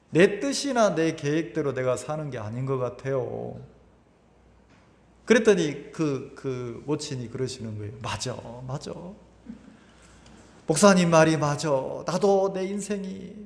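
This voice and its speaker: A man with a high voice preaches a Sunday sermon in a church, his pitch rising and falling widely. He talks conversationally, keeps asking the congregation questions and repeats his words. His voice rings through a reverberant hall. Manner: repeats words and uses filler "막" often. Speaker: pastor. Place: church sanctuary.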